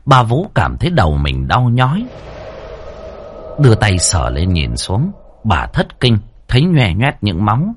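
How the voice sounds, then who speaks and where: A man narrating a horror story in a vivid, expressive storytelling manner. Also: on the low side, a little slow, a little hiss or hum.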